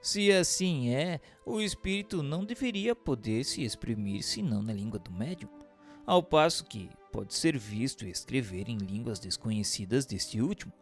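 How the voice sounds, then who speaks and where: A man's voice: medium pitch, animated, normal speed. A man giving a formal, declamatory scripted reading as narrator and questioner in a radio drama. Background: faint music.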